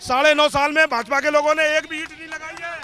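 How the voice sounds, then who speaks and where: A man, an opposition politician, forcefully listing demands and accusations in short repeated bursts during a debate. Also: very high voice, level tone, fast talker. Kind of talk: campaign speech in a debate.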